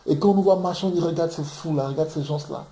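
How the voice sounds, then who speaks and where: This Ivorian man speaks fast in a slightly high, dark-toned voice as he preaches scripture with fervor in a London room. The echoey recording catches how emphatic he is and how often he repeats words while hunting for them.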